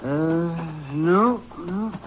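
A fussy, folksy druggist with a high voice and hesitant eagerness. The old broadcast sound is dull, with a faint hiss. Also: male voice, drawn-out words. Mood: eager. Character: nervous, eager older male druggist witness.

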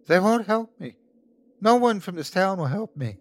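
Sickly, half-mad bearded wretch, played by a male narrator: raised pitch, pleading, chanting, terrified, for an audiobook. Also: animated, moderate pace. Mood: desperate, pleading. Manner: pleading, crying out, chanting repetitively.

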